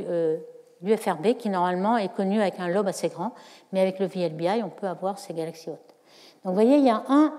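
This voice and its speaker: A woman's voice: mid-range voice, warm tone. A woman giving a university lecture, explaining step by step with frequent hesitations. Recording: lecture hall reverb.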